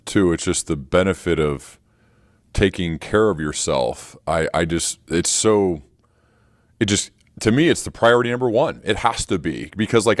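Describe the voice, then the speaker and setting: A man's voice: deep voice, no room sound, studio quality. A man hosting a podcast, speaking conversationally and emphatically, repeating phrases to press his point. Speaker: podcast host. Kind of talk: conversational interviewing.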